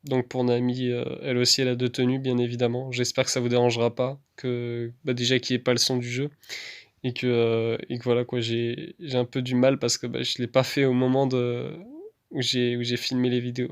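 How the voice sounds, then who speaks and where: Hesitant man with a flat, smooth voice. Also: mid-range voice. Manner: hesitant, full of fillers and restarts; relaxed, chatty. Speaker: gaming YouTuber. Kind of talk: casual gameplay voice-over commentary.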